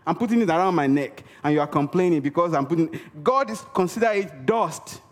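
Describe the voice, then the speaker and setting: A man preaching with a slightly high voice, hammering home key words with repetition. He calls on the congregation to answer him. His voice rings with a long reverb from a large church hall. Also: lively intonation, fairly quick. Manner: emphatic, repeats key words for effect; calls for audience response. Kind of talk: sermon.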